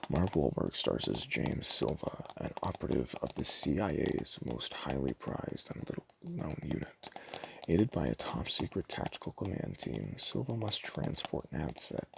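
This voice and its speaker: A man talking casually in an ASMR shop roleplay, rambling and halting, often trailing off as he recommends and reads out descriptions. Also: very animated, noisy background. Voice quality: very deep, gravelly, creaky. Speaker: ASMR roleplay creator playing a video store clerk.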